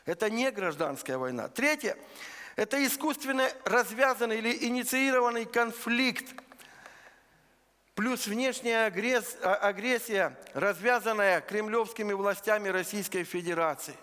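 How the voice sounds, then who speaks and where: High-voiced preacher in an echoing church. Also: male voice, pushed and bright, clear, resonant tone. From Luhansk region, Ukraine. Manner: earnest, deliberate, numbered points. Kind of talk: sermon. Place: church sanctuary. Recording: long church hall reverb.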